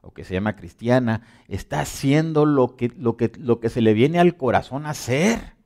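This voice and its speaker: A man preaching a conversational sermon, asking many rhetorical questions and often restarting his words, with sudden loud emphasis and quiet low asides. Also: lively intonation, normal speed. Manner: dramatic swings between loud emphasis and soft low asides.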